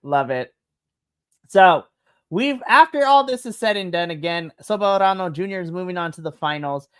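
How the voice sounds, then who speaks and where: A woman's voice: on the low side, expressive, moderate pace, clear, resonant tone. Giggly, chatty woman recapping wrestling. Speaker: podcast co-host. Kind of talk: casual wrestling show recap.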